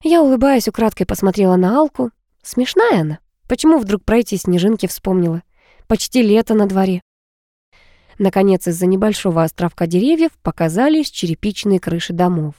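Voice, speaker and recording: A woman narrating a first-person story aloud, lively and teasing, with expressive dialogue. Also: mid-range voice, fairly quick, no echo, clean studio sound. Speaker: audiobook narrator.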